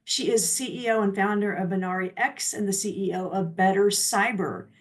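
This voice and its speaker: A woman with a medium-pitched voice, speaking at a normal speed, hosts an interview show. She opens with a polished, upbeat scripted introduction in presenter style, then puts questions to her guest.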